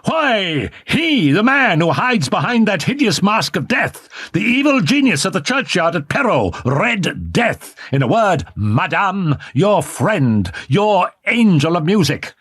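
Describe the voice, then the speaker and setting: A man's voice: sits high, animated, measured pace, a bit bright, dry recording, pitched above the performer's own voice, exaggerated voice. A man voicing a jealous, anguished young lover. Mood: furious, anguished. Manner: anguished, sarcastic outbursts.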